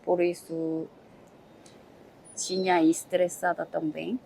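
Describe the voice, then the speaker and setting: Korean-accented woman in her 30s, interviewee, very slow and halting, low-ish voice. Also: little pitch movement, creaky, dark tone, slightly rough, poor audio. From South Korea. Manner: halting, searching for words with many "ó" fillers. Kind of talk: casual interview answers.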